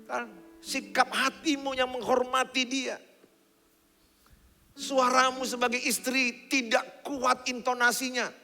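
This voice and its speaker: A man's voice: very high voice, flat delivery, slow, vocal fry, pushed and bright. A male pastor preaching a sermon and leading his congregation in call-and-response, in a large church hall. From Indonesia. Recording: long hall reverb, faint music behind.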